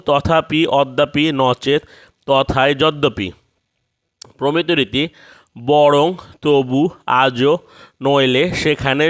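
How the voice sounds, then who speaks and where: A man narrating a scripted grammar lesson, reading out word lists one by one in a measured way. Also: fairly high pitch, fairly bright tone. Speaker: grammar teacher.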